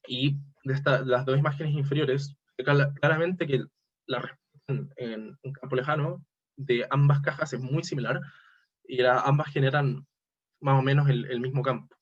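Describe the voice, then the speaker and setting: Halting man presenting, dull lo-fi sound. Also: medium pitch, fairly even intonation. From Chile. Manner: halting, self-correcting, hesitant delivery. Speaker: academic presenter. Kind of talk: technical conference presentation over slides.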